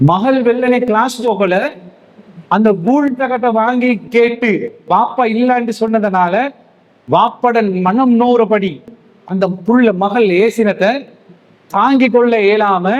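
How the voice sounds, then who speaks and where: A man's voice: high-pitched, muffled recording. A man who preaches a sermon to young men, telling stories and answering his own questions. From Sri Lanka. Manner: storytelling, asks questions and answers them himself.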